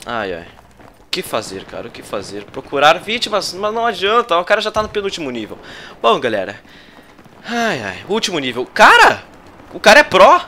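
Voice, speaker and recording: Sweating and on edge, a young Brazilian man narrates his own gameplay live for his YouTube gaming channel, cursing at the game and bursting into yelps as events unfold. He speaks with a Brazilian Portuguese accent in a slightly high voice, fairly quickly, over a faint hiss or hum.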